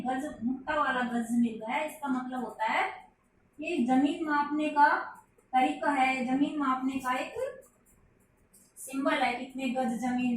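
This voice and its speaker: A Hindi teacher with a high voice gives a classroom lesson to children, patiently repeating her points and calling her listeners "child." She's recorded from a distance in a very echoey room, with faint hiss.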